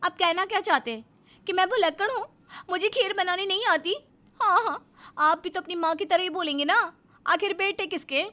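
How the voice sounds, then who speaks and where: A woman voicing a bossy, sharp-tongued young wife in a cartoon story, snapping back with shrill retorts. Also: very animated, measured pace, exaggerated voice.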